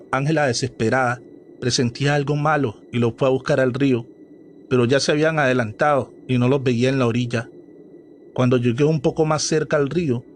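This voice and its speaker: A man reading a horror story aloud as a storyteller, dramatic and measured. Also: medium pitch, a little hiss or hum. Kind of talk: scripted horror story narration.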